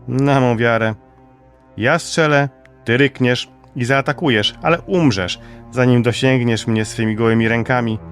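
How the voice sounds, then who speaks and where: A man playing a cynical French highwayman, silky and coolly menacing, in an audiobook drama. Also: natural voice. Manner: mocking, smooth menace.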